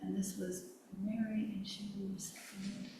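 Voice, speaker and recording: A woman's voice: medium pitch, little pitch movement, measured pace, distant mic, noisy background. Woman committee chair, informal, hesitant, off-mic echoey video-call sound. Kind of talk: chairing a meeting.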